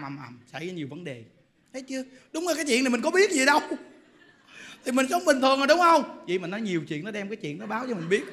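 Monk preaching, high bright voice, teasing and animated, keeps asking "get it?". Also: male voice, slight background noise. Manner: animated, teasing, full of rhetorical questions. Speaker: Buddhist monk. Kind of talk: Dharma talk sermon.

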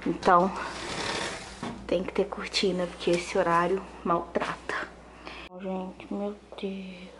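A woman's voice: lowish voice, little pitch movement, takes it slowly, long pauses, noisy background. A woman in her twenties with a Minas Gerais Brazilian accent, chatting to viewers while she cleans her apartment. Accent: Brazilian Portuguese, Minas Gerais. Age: 20s. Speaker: vlogger. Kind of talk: casual cleaning vlog chat. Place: apartment kitchen and terrace, indoors.

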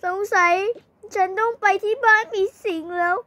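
A woman's voice: very high voice, steady tone, normal speed, sharp tone. A girl doing a weepy, wailing mother. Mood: fussy. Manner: sobbing, wailing melodramatically. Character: weepy dramatic mother who broke her glasses. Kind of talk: toy game role-play narration.

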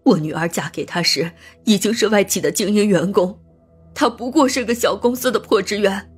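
A woman playing a bitter, domineering older mother in an audiobook drama, scornful and ranting in a husky voice. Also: medium pitch, moderate pace, faint music behind. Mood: furious, scornful. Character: bitter, domineering, sharp-tongued older mother of a murdered daughter.

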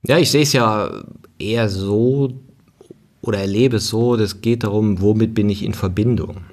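A man who leads seminars, talking thoughtfully in a relaxed conversation and often ending phrases with a questioning tag. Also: fairly low pitch, moderate pace. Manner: thoughtful, tags sentences with "ne". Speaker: seminar leader. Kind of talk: reflective conversation.

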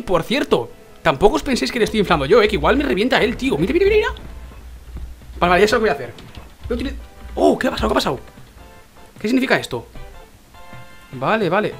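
Excitable young Spanish man gaming. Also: sits high. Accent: Spain Spanish. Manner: excitable, exclaiming and repeating words rapidly. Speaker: gaming youtuber. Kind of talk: excitable gameplay commentary.

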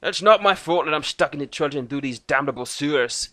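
A man voicing a gruff, boisterous male dwarf with a put-on Scottish-Irish brogue. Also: fairly high pitch, lively intonation, brisk, dry recording, pitched above the performer's own voice. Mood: rowdy. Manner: loud, boisterous, gravelly.

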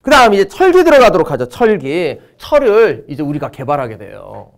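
A middle-aged man teaching an exam-prep history lecture, playful and animated, acting out little skits to help students memorize. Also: a little high, a little fast, gravelly.

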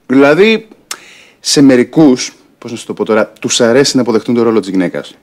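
A man's voice: medium pitch, lively intonation, darkish tone, lightly acted. A man playing a smug, soothing doctor. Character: pompous doctor, middle-aged man. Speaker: actor in a sitcom. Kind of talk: TV sitcom acting.

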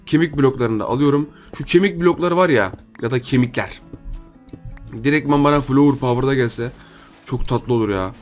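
Young Turkish man, casual let's-play commentary, mid pitch, chatty, faint background music. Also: darkish tone. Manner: chatty, addresses viewers as friends, thinks aloud while playing. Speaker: gaming YouTuber.

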